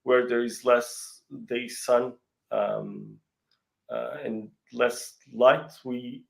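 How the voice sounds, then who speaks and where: This man, a Portuguese native speaker and country head for a real estate firm, has a medium-pitched voice with vocal fry and little pitch movement. Chatting casually on a video call interview in his Portuguese accent, he hesitates, fumbles for words and often restarts amid plenty of fillers.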